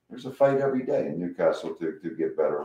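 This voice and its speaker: A man speaks at a fairly quick pace. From western Pennsylvania (New Castle). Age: 50s. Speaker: mayoral candidate and businessman. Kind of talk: interview. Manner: energetic.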